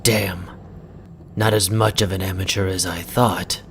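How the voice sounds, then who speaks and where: An actor playing a terse, brooding young master in an audio drama, with a controlled manner. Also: male voice, low voice, steady tone, unhurried, creaky, a bit bright, heavily acted. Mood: tense brooding. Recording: faint background ambient noise.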